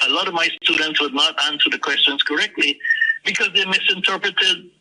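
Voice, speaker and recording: A former lecturer from Guyana in an interview clip, speaking emphatically and insistently. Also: male voice, a little high, fairly quick, bright, forceful tone, low-quality recording. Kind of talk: interview soundbite.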